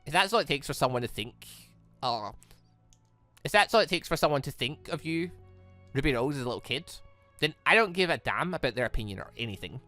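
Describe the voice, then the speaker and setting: A man voicing a calm, devoted young gentleman from a visual novel, gentle, earnest and reassuring. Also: a little high, a little fast, soft background music. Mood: earnest, tender.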